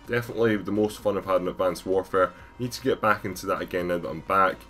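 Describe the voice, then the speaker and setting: Male gaming vlogger, deep and low, sick with a cold, rapid rambling voiceover. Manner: rambling, casual, many fillers. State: has a cold, stuffy. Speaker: gaming YouTuber. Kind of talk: gameplay voiceover commentary.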